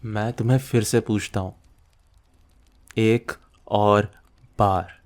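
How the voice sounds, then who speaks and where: A man's voice: on the low side, fairly even intonation, slow pace. A man playing a possessive, menacing mafia boss lover in an intimate ASMR roleplay, speaking in a threatening, teasing way to the listener. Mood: stern warning.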